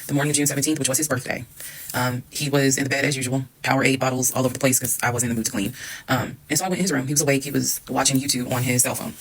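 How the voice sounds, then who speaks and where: A woman's voice: a bass voice, fairly even intonation, very fast, low-quality recording. A woman telling a dramatic personal story straight to her viewers in a casual, emphatic storytime style.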